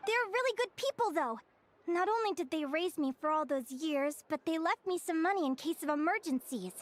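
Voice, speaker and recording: A woman's voice: very high voice, lively intonation, normal speed. An actress voicing a young woman in a game who tells, earnestly and reflectively, of growing up as a changeling. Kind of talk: game character dialogue.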